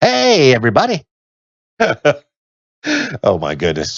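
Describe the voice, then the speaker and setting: A put-on character voice with a low-to-middle pitch speaks at a moderate pace. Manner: enthusiastic inflected announcer delivery.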